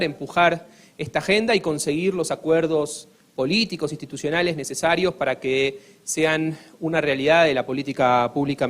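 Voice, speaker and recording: A man from Argentina with an Argentine accent, speaking earnestly on a panel, with many hesitations and restarts. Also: fairly high pitch. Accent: Argentine Spanish. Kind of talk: formal panel talk.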